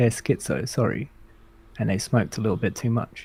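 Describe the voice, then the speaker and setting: Relaxed in tone, a man with medium pitch and a dark, mellow voice speaks at a moderate pace with vocal fry. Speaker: friend sharing lived experience of psychosis. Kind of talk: casual livestream conversation. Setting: livestream. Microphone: good microphone.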